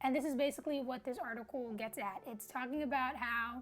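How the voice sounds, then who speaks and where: A woman with a non-native accent and a high pitch talks at a fairly quick pace with fairly even intonation. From Ghana. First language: not English. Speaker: YouTuber. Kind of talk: casual vlog. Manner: fast; pauses to find words.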